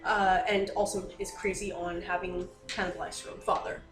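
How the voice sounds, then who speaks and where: A woman's voice: fairly low pitch, level tone, normal speed, over music. A woman playing a tabletop role-playing game, explaining things casually and a little hesitantly. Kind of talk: casual in-character game discussion. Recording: roomy, distant mic, faint noise.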